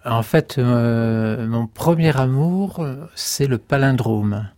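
A male poet answers questions at a slow, unhurried pace, circling back and repeating words as he thinks. The sound is dry and close, with no room around him. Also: medium pitch, mellow, no echo. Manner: halting, thoughtful, repeats words. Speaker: guest poet. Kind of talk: radio interview.

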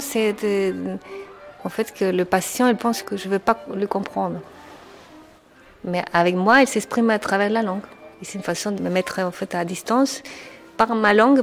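Chilean woman psychoanalyst, strong accent, native Spanish speaker, slightly raspy fry, thoughtful interview answers. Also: medium pitch. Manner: reflective, measured, with frequent hesitations. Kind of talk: documentary interview.

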